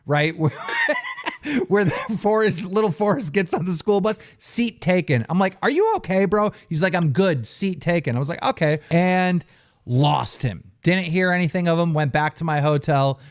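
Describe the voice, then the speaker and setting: A man hosting a casual talk show, telling a wild story in an animated way. His voice sits a bit high and swings widely up and down as he goes. He laughs along with his own punchlines. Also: normal speed.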